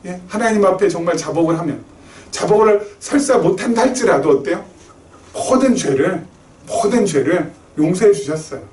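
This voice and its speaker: A man's voice: high-pitched, a little mellow. A middle-aged male pastor preaching a sermon, constantly asking the congregation rhetorical questions in a conversational way. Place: church sanctuary. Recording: roomy church echo, slightly distant.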